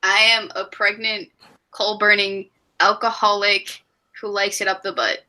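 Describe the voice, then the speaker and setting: A woman's voice: mid-range voice, little pitch movement, measured pace, bright, forceful tone, low-quality recording. A woman in her twenties hosting a casual live stream, rambling and laughing at herself. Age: 20s. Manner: giggly, rambling, self-mocking. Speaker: stream host.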